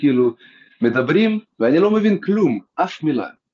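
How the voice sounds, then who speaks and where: At a moderate pace, a man with a Russian accent talks with very wide pitch swings. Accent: Russian accent in Hebrew. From Russia, Ural region. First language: Russian (speaking Hebrew). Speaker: doctor, recent immigrant. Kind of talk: interview.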